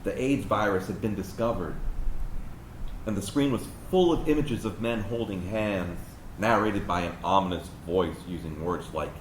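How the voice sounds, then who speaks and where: A low male voice of an actor delivers a gay man's personal monologue in a staged reading. He places his pauses deliberately for emphasis. The room is echoey, with faint noise. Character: gay man recalling a fearful small-town youth. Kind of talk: dramatic monologue read from a script to an audience.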